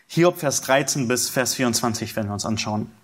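A man's voice: medium pitch, a little fast. A man preaching an expository sermon, explaining a passage verse by verse and speaking straight to his congregation in an earnest tone.

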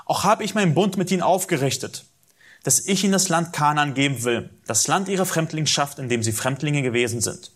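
A man's voice: a little high, fairly bright tone. A man preaching a sermon, teaching from the Bible, speaking directly to his listeners and acting out quoted dialogue with animation.

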